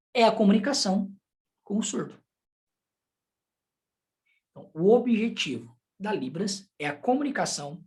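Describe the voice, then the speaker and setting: A man with a Brazilian Portuguese accent teaching a sign language class in a conversational way, often checking in with the students through rhetorical questions. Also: high voice. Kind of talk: live online class.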